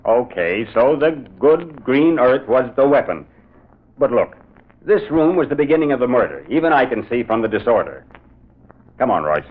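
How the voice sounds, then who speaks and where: An actor playing a brisk, no-nonsense police inspector, blunt and commanding, in old-time radio drama style. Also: male voice, medium pitch, big pitch swings, husky. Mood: impatient. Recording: tinny vintage radio recording.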